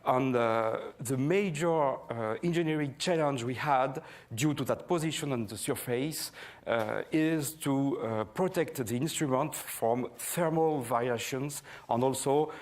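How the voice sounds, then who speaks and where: A man's voice: medium pitch, unhurried. A man with a French accent, a project manager speaking at a science press briefing, hesitant with many fillers. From France. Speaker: project manager of a space instrument.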